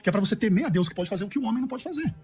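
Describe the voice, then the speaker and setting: A Brazilian man answers his opponent in a radio debate. His voice sits high and moves a lot, and he speaks quickly, yet his wording stays formal and measured. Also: expressive, a little mellow, husky, soft background music. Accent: Brazilian Portuguese.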